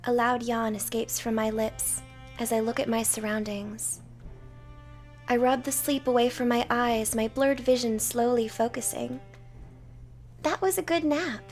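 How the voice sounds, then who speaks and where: Let's play host: woman, higher-pitched voice, narrating a story game over faint music. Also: flat delivery, measured pace, a little mellow. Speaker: gaming channel host.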